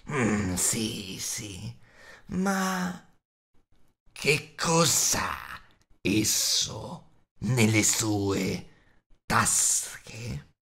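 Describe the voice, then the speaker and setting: A man voicing a slimy, hissing cave creature that talks to its precious in a whiny, drawn-out way. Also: mid-range voice, bright, forceful tone, full character voice. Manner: hissing, speaks to itself as "my precious"; drawn-out, slow whiny delivery.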